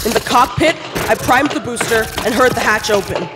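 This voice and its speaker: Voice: medium pitch, normal speed, over loud music, close to an everyday voice. A teenage actor playing a grave, guilt-ridden airship officer in a live radio play. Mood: somber, regretful. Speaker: student actor. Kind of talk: dramatic first-person radio play narration. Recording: very noisy live stage recording, loud effects.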